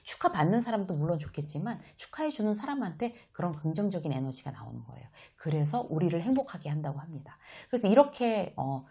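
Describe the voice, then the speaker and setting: A middle-aged woman giving a casual lecture on life and work, lively and exclamatory, acting out what people say. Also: fairly low pitch, quick pace, vocal fry, hardly any pauses, husky. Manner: lively, exclamatory, acts out quoted dialogue.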